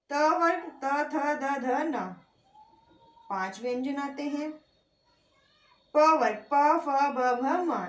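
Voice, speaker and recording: Echoey high-voiced woman teaching slowly. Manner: patient, quizzes the class by asking then answering her own questions; slow and drawn out when spelling out letters. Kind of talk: online Hindi grammar lesson.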